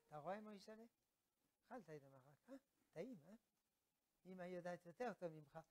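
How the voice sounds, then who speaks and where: Bossy, doting older Jewish mother, coaxing and insistent, fairly high voice, as a man puts her on. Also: animated, darkish tone, a little hiss or hum.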